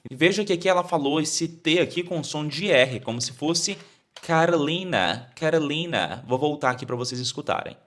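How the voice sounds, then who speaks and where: A Brazilian man with a Brazilian Portuguese accent who teaches English, repeating phrases slowly for learners to copy. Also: a little high, expressive, a bit bright. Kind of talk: explaining an English lesson.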